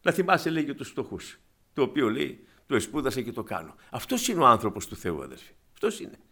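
A man preaching a sermon to his congregation, animated and acting out the voices in his stories. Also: mid-range voice, slightly rough. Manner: animated, acts out quoted voices; addresses congregation as brothers.

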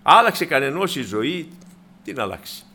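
A male preacher delivering a sermon in a bright, ringing voice. He pitches a little higher than most men and fires off rhetorical questions, moving between loud emphasis and quiet asides. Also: big pitch swings.

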